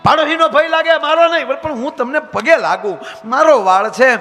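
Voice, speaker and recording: A man voicing a flustered village wife who loudly pleads with her husband. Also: very high-pitched, slow, big-room sound, soft background music, voice pushed up, heavily acted. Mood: pleading. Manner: pleading, loud and fretful.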